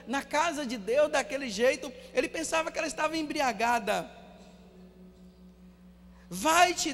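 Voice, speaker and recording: A Brazilian priest preaching a sermon, telling stories and repeating words for emphasis, often dropping to a hush. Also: male voice, very high voice, big-room sound. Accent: Brazilian Portuguese.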